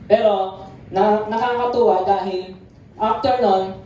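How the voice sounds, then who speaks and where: A woman's voice: mid-range voice, fairly even intonation, unhurried, mellow, slight background noise. Filipino woman preaching in an echoey hall. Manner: chatty, playful, mixing English in. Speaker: youth speaker. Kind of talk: casual youth sermon. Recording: echoey hall, distant mic.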